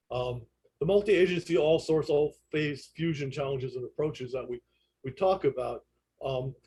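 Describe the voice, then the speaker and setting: Male presenter, Brooklyn accent, slightly rough husky voice, online lecture, explanatory, halting phrasing. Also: medium pitch, a little mellow, rough recording. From United States, New York. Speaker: presenter, instructor in intelligence analysis. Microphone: internet call audio.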